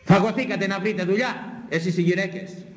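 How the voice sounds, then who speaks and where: A man, a priest, delivering an impassioned, scolding sermon with sweeping emphatic swings in his voice. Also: high-pitched. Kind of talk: fiery sermon. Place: church hall. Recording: echoey church hall with long reverb.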